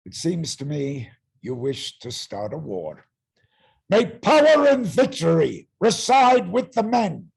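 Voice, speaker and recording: An actor playing an arrogant, menacing herald in a Greek tragedy reading, threatening and declamatory in a rasping voice. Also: male voice, fairly high pitch, big pitch swings, takes it slowly, darkish tone, heavily acted. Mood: cold threat. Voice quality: gravelly, rasping. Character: menacing, arrogant herald claiming women as property. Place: online video-call reading.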